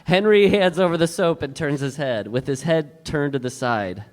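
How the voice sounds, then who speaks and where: A man's voice: a little high, normal speed. A man who acts and writes, reading stage directions from his monologue and chatting casually and comically about it.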